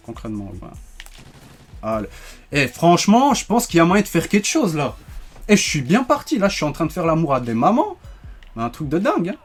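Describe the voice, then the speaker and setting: A man giving joking, animated commentary while playing a shooter, ranting when things go wrong. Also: fairly high pitch. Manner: animated, joking, quick to rant when frustrated. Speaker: gaming YouTuber. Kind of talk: live gameplay commentary.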